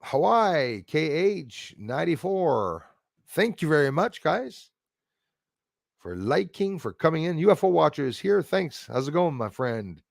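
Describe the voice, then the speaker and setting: A man in his forties with a Canadian accent, hosting a casual livestream in a rambling, halting way as he responds to viewers. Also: a little high, big pitch swings, gravelly, dry recording, studio quality. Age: 40s. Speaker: livestream host. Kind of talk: casual live chat, reacting to viewer comments.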